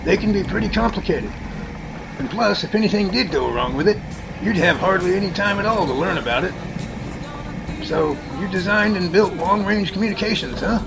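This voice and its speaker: A man's voice: high voice, animated, normal speed, creaky, over music, low-quality recording. A man playing a friendly but skeptical, mildly condescending organizer in an amateur audio drama. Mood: doubtful.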